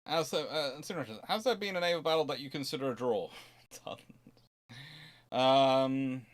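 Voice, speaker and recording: A man with a mid-pitched voice hosts an informal history Q&A stream. He talks conversationally and haltingly, leaning firmly on key words as he explains. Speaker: host answering viewer questions.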